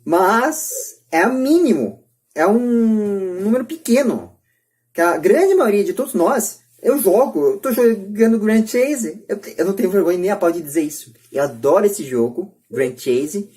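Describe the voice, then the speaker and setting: A woman's voice: mid-range voice, expressive, measured pace, mellow. A Brazilian woman giving her opinions in a podcast discussion, emphatic and repeating her points. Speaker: podcast speaker.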